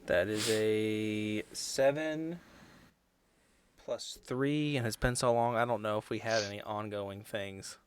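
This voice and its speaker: A man's voice: lowish voice, fairly even intonation, slow pace, a little hiss or hum. A man playing a tabletop game, chatting casually in a hesitant, rambling, joking manner.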